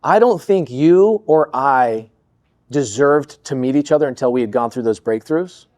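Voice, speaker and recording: Man, podcast guest, animated storyteller, mid-pitched voice, dry close sound. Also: moderate pace, dry recording. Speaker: podcast guest, real estate investor. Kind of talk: storytelling interview chat.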